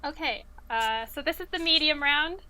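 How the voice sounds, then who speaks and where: A woman's voice: high voice, moderate pace, pushed and bright. A woman hosting a quiz, reading out trivia questions and chatting casually with the players. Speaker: quiz host.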